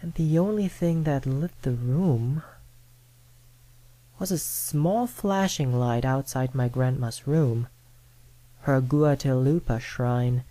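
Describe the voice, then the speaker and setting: A woman narrating a first-person scary story in a dramatic, deliberate manner with suspenseful pauses. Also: extremely low pitch, dark tone, dry recording. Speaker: horror story reader. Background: background music.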